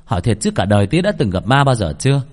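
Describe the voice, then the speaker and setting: Một người đàn ông giọng miền Nam đóng vai người con trai trung niên, nói thẳng thắn, hoài nghi. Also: male voice, medium pitch, big pitch swings, rapid-fire, darkish tone, natural voice. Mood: skeptical. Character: middle-aged son, blunt and skeptical.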